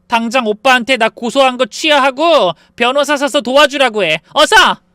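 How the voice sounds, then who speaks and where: A man's voice: extremely high pitch, lively intonation, normal speed, pushed and bright, smooth, no room sound, studio quality, voice pushed up, exaggerated voice. A man voicing a spiteful young sister-in-law who shrieks and begs by turns. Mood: shrill fury.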